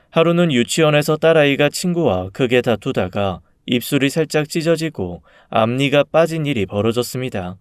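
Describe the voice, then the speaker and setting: Guy reading a story in first person, calm and low-key, smooth clear voice, dry close mic. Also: dry recording. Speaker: story reader.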